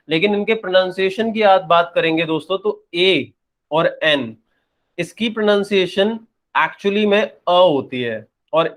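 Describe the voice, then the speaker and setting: A young man teaching an English grammar lesson, repeating points and answering his own questions. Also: high voice. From India. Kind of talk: classroom-style lesson, explaining and checking.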